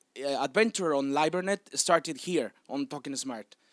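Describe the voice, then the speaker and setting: A man's fairly high voice with a non-native accent and lively intonation, dry and close with no echo, in a very clean recording over a silent background. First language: not English. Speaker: co-founder of publishing venture. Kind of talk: live audio panel presentation. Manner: halting, many fillers.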